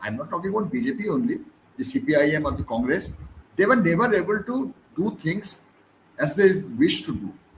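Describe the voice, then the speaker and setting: Speaking with a Bengali accent, a man uses a high pitch. His intonation is lively. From West Bengal, India. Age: 60s. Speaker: political commentator. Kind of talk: podcast discussion.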